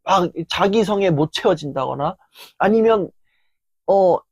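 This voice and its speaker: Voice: medium pitch, expressive, measured pace, breathy edge, no echo. Worn-voiced earnest motivational lecturer. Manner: earnest, acts out inner voices with sudden loud outbursts. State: voice worn down after hours of filming. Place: filming session.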